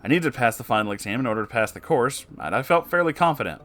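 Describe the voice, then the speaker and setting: A man reading submitted stories aloud in a casual way, breaking in with animated, sarcastic and often sweary commentary. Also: mid-range voice, quick pace. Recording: music behind the voice. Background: music.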